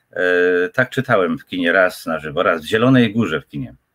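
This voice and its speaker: A man with a very deep, low pitch talks at a fairly quick pace over a quiet background. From Poland. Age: 60s. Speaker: film voice-over narrator. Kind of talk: interview answer. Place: home room.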